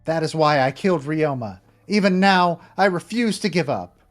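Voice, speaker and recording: A composed young maid read by a streamer in a video game, speaking in formal, solemn, stiff sentences. The voice sits lower than the reader's own and rises and falls widely. Faint music runs underneath. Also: animated, moderate pace, natural voice. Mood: resolute. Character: composed young maid, woman, desperate to survive. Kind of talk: dramatic reading of game dialogue.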